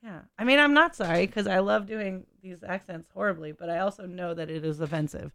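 A woman's voice: lowish voice, a little fast, creaky, a bit bright, no echo. A woman hosting a community radio show, chatting casually, often laughing and trailing off mid-sentence. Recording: radio studio.

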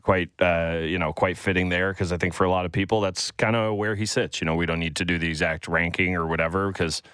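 A man's voice: low voice, steady tone, brisk, fairly bright tone, clear, resonant tone, no echo, clean studio sound. A man co-hosting a morning sports radio show, musing at length in a loose, reflective way. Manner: rambling, reflective, lots of fillers. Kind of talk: casual sports talk. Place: radio studio. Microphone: studio microphone.

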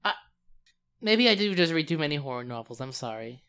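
A woman player with a dry, wry manner in a tabletop game. Her voice sits low for a woman but moves a lot in pitch, and it sounds bright and forceful. Faint music plays underneath. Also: very animated, fairly quick, clean tone.

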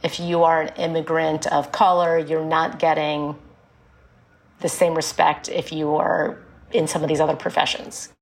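Speaking in a deep, creaky voice with flat, unhurried delivery, this author guest chats frankly in a casual interview, explaining things and laughing lightly. She's in her forties, born in India and raised in Illinois.

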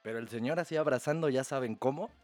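Mexican man, podcast host, mid pitch, crude, animated storyteller, faint music bed. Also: fast. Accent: Mexican Spanish. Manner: crude slang-heavy, animated retelling. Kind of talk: casual storytelling chat.

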